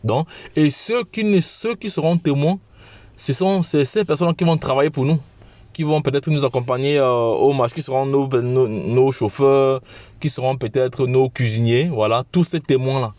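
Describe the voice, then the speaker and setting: A man with a cold giving an informal promotional pitch as a channel host, halting and often repeating his phrases. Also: a little mellow, no echo. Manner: halting, repetitive, with frequent restarts. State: has a cold.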